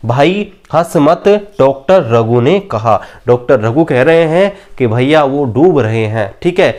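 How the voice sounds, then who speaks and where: A man teaching an exam-prep lesson, slowly chanting mnemonic phrases word by word and often checking in with his students. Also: mid-range voice, animated, darkish tone. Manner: casual, repeats phrases, checks in with "theek hai".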